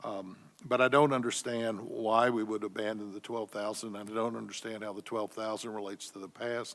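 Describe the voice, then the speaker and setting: A man's fairly low, monotone, flat voice at a fairly quick pace, with hardly any pauses and big swings in loudness. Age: 70s. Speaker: town council member. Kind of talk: council meeting discussion. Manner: halting.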